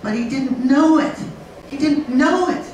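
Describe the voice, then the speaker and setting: A middle-aged woman giving an animated conference talk on teaching English, emphatic and full of rhetorical questions. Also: high-pitched, measured pace, a little hiss or hum. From Canada. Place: conference room. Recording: echoey room, far from mic.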